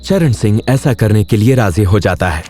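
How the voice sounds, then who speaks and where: A man with a fairly low voice narrates a scripted children's ghost story. He speaks as a storyteller, with music playing behind him. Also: expressive, moderate pace, mellow.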